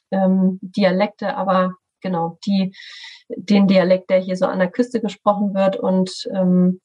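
A middle-aged woman speaks in a slightly husky, breathy voice. She explains in a friendly, thoughtful way and pauses often on fillers and restarts, as a guest in a podcast interview. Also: mid-range voice, darkish tone. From Schleswig-Holstein, northern Germany. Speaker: artistic director of a theatre studio, guest.

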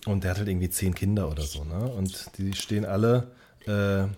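His voice is low and dark, and he speaks fairly quickly as a podcast co-host in casual conversation. He's talkative and self-revising, often rephrasing as he circles toward his point.

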